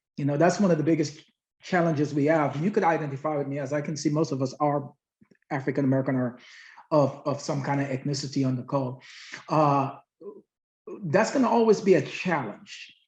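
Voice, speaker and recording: With a somewhat breathy, fairly high voice, a man speaks at a fairly quick pace, using ordinary pitch variation and long, frequent pauses. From grew up abroad, first 11 years in another country. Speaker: guest speaker. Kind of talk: Q&A talk to students. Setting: video call. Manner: halting, repeats words.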